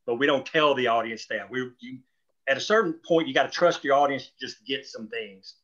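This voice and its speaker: A man's voice: mid-range voice, fairly quick, fairly bright tone, dull audio. A man explaining storytelling choices in a group discussion, talking discursively as a writer of the show.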